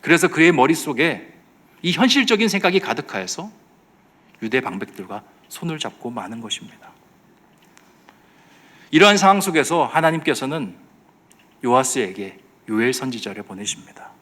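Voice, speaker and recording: Animated Korean pastor preaching. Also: male voice, medium pitch, moderate pace, long pauses. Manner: emphatic preaching with surges and drops in loudness. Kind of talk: sermon at a midweek church service.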